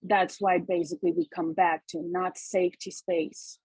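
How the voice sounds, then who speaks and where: A woman from Ukraine giving reflective comments on a video call, haltingly searching for her words. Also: on the low side, flat delivery, darkish tone, breathy edge, no echo, rough recording. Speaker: discussion participant.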